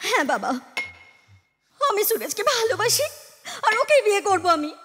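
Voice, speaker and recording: A young daughter in love pleading and then standing firm in a high, lively voice. Her lines carry long reverb. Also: fairly quick. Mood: defiant. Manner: pleading, then earnestly defiant. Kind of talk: dubbed film dialogue. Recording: film soundtrack with reverb.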